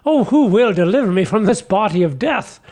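An actor playing a humble, folksy fisherman apostle in a comic radio sketch, earnest and chatty, halting over his words. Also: sits high, sing-song, a little mellow. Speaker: guest character.

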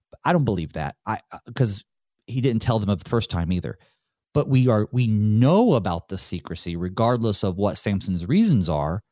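A man leads a Bible study on his own, speaking as a pastor in a loose, conversational way. His voice sits a little low and warm, and it rises and falls with animation as he muses aloud and chuckles. The sound is close and dry. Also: dry recording. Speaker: pastor and host. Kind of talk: solo Bible study teaching.

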